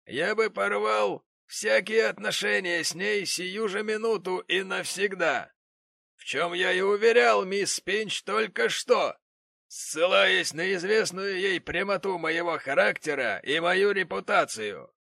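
A man's voice: high-pitched, measured pace, vocal fry, bright, forceful tone, no echo, studio quality, pitched above the performer's own voice, heavily acted. A man voicing a pompous, indignant rich middle-aged father who owns a foundry, in an audiobook reading. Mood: haughty.

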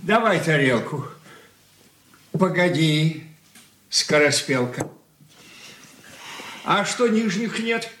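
A man's voice: on the high side, expressive, slow pace, pauses often, fairly bright tone. An actor playing a coarse, bossy old merchant who heads the family, drawling his orders in a radio drama. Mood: gruff. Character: gruff old merchant father, coarse head of house. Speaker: family patriarch. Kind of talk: 1980s radio drama acting. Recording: roomy, distant, faint hiss.

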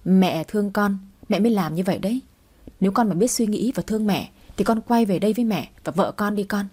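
A woman voicing an older mother-in-law who speaks calmly and bluntly to her son. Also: mid-range voice, fairly quick, slightly rough, lightly acted. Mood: calm firm. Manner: calm, blunt, firm. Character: older mother-in-law, calm but firm.

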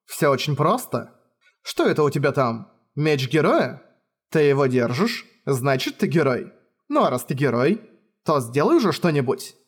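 A cold swordswoman, read by a man hands out blunt orders and flat threats. She is deadpan and stern, her voice slightly high. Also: normal speed, breathy edge.

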